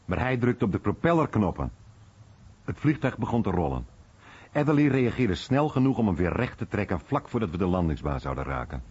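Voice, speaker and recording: An actor voicing a veteran's dramatic wartime account as a husky radio documentary voice-over. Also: male voice, lowish voice, very animated, a little fast, darkish tone, highs cut off. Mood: tense recounting.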